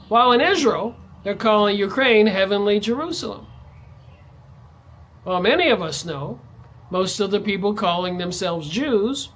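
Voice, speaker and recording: A man's voice: sits high, fairly bright tone. A man vlogging in a ranting monologue, his voice jumping up sharply on stressed words. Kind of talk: monologue to camera.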